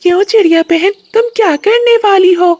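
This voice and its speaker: A woman voicing a friendly, chatty male parrot in a cartoon. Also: normal speed. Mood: curious. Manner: excited, squeaky.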